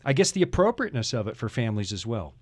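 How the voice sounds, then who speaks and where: A man's voice: medium pitch, sing-song, very fast, husky. A man hosting a casual panel interview as a radio host, with a jokey, teasing manner.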